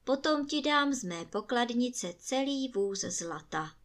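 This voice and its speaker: A woman voicing a sorrowful king in a storybook reading, slow and solemn. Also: fairly high pitch, lively intonation, lightly acted. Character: sorrowful old king, dignified.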